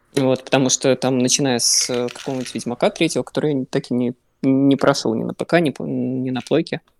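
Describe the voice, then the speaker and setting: A man talks at a fairly quick pace in an ordinary speaking voice, medium-pitched, with fairly even intonation and a dry, close sound with no echo. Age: young. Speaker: tech journalist. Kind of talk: casual chat.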